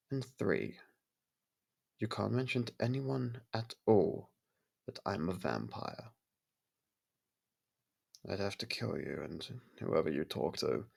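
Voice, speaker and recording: A man voicing a very gravelly, low, courteous vampire lord. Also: exaggerated voice. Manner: formal, measured, softly commanding. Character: courteous, possessive vampire manor lord softening toward a human. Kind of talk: ASMR roleplay acting.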